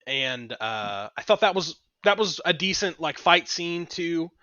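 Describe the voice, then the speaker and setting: A man's voice: a little high, very animated, unhurried, bright, forceful tone, no room sound, muffled recording. A man co-hosting a casual film review podcast, chatting in a joking, teasing way. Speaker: podcast co-host.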